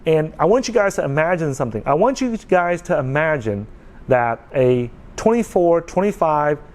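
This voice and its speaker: A man's voice: on the high side, sing-song, moderate pace, darkish tone. Earnest man in his forties. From United States. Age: 40s. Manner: earnest, repeats points, checks in with okay. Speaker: vlogger. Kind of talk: casual talk to camera.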